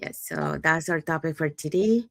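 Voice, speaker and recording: A woman's voice: low voice, normal speed, gravelly, slight background noise. A woman from Panama, co-hosting a show and inviting viewers in an upbeat, repeating way. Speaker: co-host. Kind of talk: scripted show promotion.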